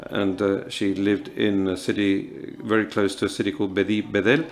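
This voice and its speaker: A man in his fifties from Morocco, speaking at a writers' panel in a halting, earnest way, with many pauses and fillers. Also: on the low side, level tone. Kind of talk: reflective festival panel talk.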